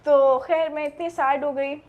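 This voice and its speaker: An actress in an interview, telling a lively story and mixing two languages as she talks. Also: high-pitched, muffled recording. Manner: animated storytelling, mixing Urdu and English. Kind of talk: casual interview chat.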